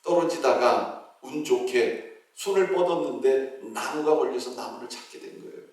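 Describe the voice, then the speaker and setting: A middle-aged male pastor preaching a sermon, telling a story and acting out the shouts and prayers of its characters. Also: medium pitch, moderate pace. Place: church sanctuary. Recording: echoey church hall from a distance.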